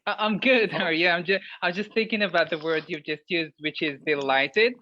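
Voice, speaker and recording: A man's voice: high-pitched, a little fast. A man chatting casually and helping with introductions in an online lesson. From Algeria. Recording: dull, lo-fi online call audio.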